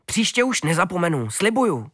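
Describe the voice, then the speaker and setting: A man's voice: sits high, sing-song, fairly bright tone, no room sound, studio quality, pitched above the performer's own voice, heavily acted. A man voicing a clumsy, apologetic male dog in a storybook reading, eager and sheepish.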